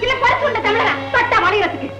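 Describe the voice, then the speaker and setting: A wailing, fussy housewife. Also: female voice, very high voice, quick pace, echoey room, rough recording. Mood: comic wailing. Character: fussy housewife lamenting lost silver tumblers. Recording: 1960s film soundtrack with music.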